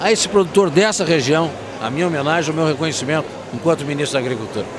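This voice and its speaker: A man is heard over noticeable background noise. The sound is dry, with no echo. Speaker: government minister. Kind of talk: interview answer. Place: hall. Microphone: handheld.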